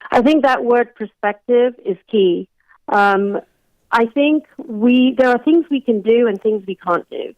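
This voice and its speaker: A woman's voice: fairly high pitch, unhurried, no echo. Englishwoman on a dull call-in line. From London, England. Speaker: guest family physician. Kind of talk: radio interview, explanatory talk. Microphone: remote call-in line.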